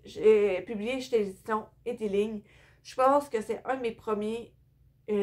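Her voice runs on the high side and is a little mellow. She's a young book vlogger from Quebec with a Québécois French accent, casually chatting about her books in a room full of bookshelves, hesitant, heavy on fillers, and a bit tired.

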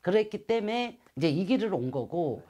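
A woman's voice: fairly low pitch, sing-song, moderate pace, warm tone, slight background noise. A middle-aged woman, a shaman fortune teller, earnestly explaining things in an interview, speaking in a shrine room with a clip-on mic. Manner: earnest, explanatory, gestures with hands. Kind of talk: interview answers. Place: shrine room with calligraphy screens.

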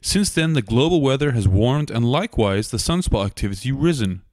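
In studio-quality audio with no room sound, a man with an expressive, darkish, mid-range voice narrates a scripted documentary. He argues his points in a measured way and raises rhetorical questions.

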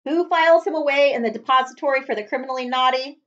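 A woman, reading a storybook aloud to children with expressive, dramatic delivery. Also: sits high, fast talker. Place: living room, on a couch. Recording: slightly dull webcam audio.

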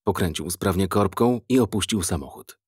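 A man reading an audiobook in measured, even scripted narration. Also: low voice, husky, dry recording, studio quality.

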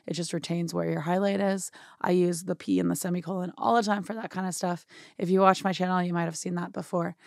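A young woman with a hoarse, worn-out voice, chatting through a software tutorial in a home studio and often checking in with "right?". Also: on the low side, fairly even intonation, quick pace, no echo. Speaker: music production tutorial host. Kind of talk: casual screen-share software tutorial.

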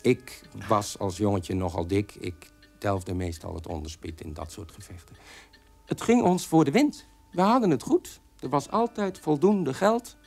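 An actor playing a bitter, defiant gay son of fugitive Nazi parents in a Dutch radio drama monologue, with biting, dramatic delivery. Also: male voice, fairly low pitch, unhurried, gravelly, a little mellow, faint music behind. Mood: recounting.

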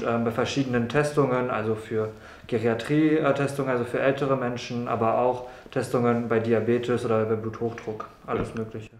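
A young man from Brussels, a medical student, answers earnestly in an even, flat voice. He often repeats words as he searches for them, and the practice room adds a clear echo. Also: mid-range voice. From Brussels, Belgium. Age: young adult. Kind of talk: interview answers.

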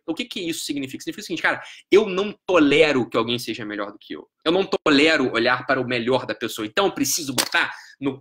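A man's voice: on the high side, pushed and bright. A middle-aged Brazilian man giving a live-streamed lecture, emphatic and profane, with frequent rhetorical questions. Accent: Brazilian Portuguese.

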